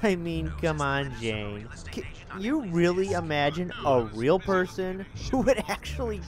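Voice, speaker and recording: An incredulous everyday traveller in a naturalistic radio drama. The intonation is lively. Music is clearly heard behind. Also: medium pitch, unhurried.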